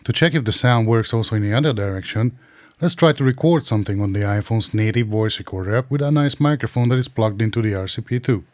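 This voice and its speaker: A man's voice: fairly low pitch, fast talker, darkish tone, no echo, faint music behind. A man narrating an instructional tech tutorial in a methodical, precise, explanatory way. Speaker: tech reviewer and tutorial presenter.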